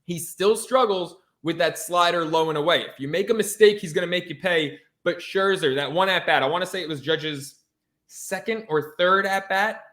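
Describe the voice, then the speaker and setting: A man's voice: high voice, moderate pace, a bit bright. A man co-hosting a sports podcast in a casual chat, brash and emphatic, swearing freely. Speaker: podcast co-host.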